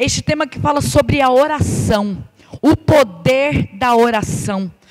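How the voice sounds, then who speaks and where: A woman's animated voice with lively intonation, over noticeable background noise. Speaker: preacher. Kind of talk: sermon.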